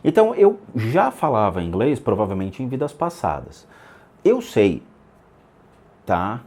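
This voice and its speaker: A man's voice: on the low side, measured pace. A middle-aged man hosting a channel, chatting casually and animatedly and acting out the dialogue in his stories, with frequent restarts. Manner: animated storytelling, acts out quoted dialogue; many fillers and restarts. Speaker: channel host answering subscriber questions. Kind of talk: casual monologue.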